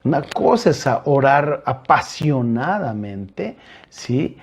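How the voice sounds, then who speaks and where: A man's voice: mid-range voice, sing-song, slow, slightly rough. A male pastor with a Mexican Spanish accent, preaching an earnest sermon that keeps addressing his listeners directly, with hesitant fillers between points.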